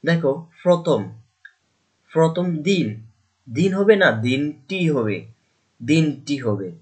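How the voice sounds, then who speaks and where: A man's voice: fairly high pitch, animated, takes it slowly. A man from Bangladesh, teaching a grammar lesson to students. He keeps asking questions and answering them himself, and he repeats the key points.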